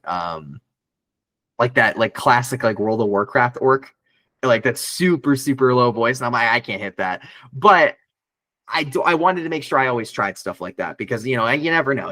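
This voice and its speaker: Speaking at a normal pace, this man, a voice actor appearing as a guest, sounds animated and sharp as he rambles through an interview, restarting often and using many fillers. His voice carries some bass, and there's no echo.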